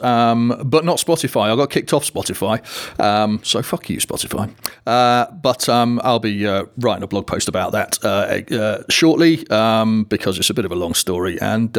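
Male music podcast host, low-pitched, casual and rambling with filler words. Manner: chatty, filler-heavy, wry asides.

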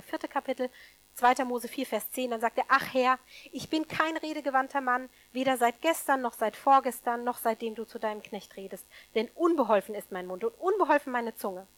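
Her voice sitting high, a woman delivers an emphatic sermon to her congregation, alternating booming emphasis with quiet asides and asking rhetorical questions of those listening. The recording is low in quality.

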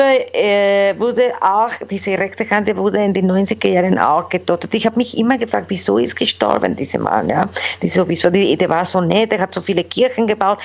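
Woman speaking halting German. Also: medium pitch, creaky. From Mexico. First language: Spanish. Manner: halting non-native German, many fillers and restarts. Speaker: guest. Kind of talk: casual interview talk. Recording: dull lo-fi recording.

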